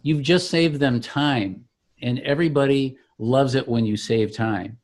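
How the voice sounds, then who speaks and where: A man's voice: medium pitch, a little slow, darkish tone. A man giving a conversational product demonstration as a company founder, explaining things with enthusiasm.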